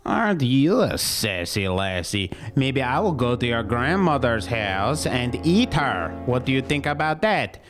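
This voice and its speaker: A man's voice: medium pitch, big pitch swings, a little slow, few pauses, music in the background. A man playing a sly, mocking big bad wolf in a children's storybook tale, drawling and taunting. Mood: mocking menace.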